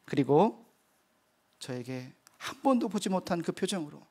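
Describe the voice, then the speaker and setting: High-voiced middle-aged male preacher. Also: expressive, moderate pace, darkish tone, breathy edge. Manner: earnest, vivid storytelling. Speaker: missionary preacher. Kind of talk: sermon testimony.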